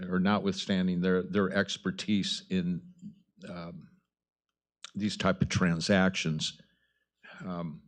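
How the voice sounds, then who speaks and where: A man speaking as a council member, putting formal questions to staff in a halting, deliberate way. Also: deep voice. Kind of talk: formal questioning at a public meeting.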